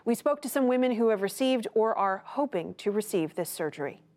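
A female news correspondent narrating a scripted health report and introducing a guest, in a clear explanatory delivery. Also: medium pitch, animated, brisk, darkish tone.

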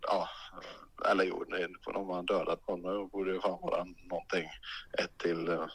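A man with a very low but bright, forceful voice talks loosely in a podcast chat. He rambles with many fillers and restarts. He sounds close and dry on the mic. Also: little pitch movement, breathy edge, no echo, poor audio. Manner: rambling, hesitant, heavy fillers. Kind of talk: casual chat.

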